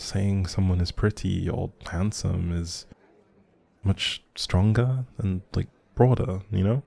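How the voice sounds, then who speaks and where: In an intimate audio roleplay, a man plays a socially anxious but kind stranger, rambling hesitantly and second-guessing himself. His voice is low, soft and breathy, and he commits fully to the character.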